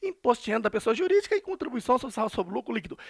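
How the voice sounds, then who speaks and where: Against a quiet background, a man speaks with a dry sound that has no echo. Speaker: online course seller. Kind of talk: sales pitch. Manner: emphatic, persuasive, with repeated 'but forget that' price drops. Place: studio. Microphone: headset.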